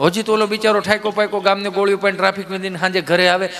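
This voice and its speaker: A male stand-up comedian, telling folk jokes in a lively, rustic storytelling manner while acting out characters. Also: high voice, racing, gravelly.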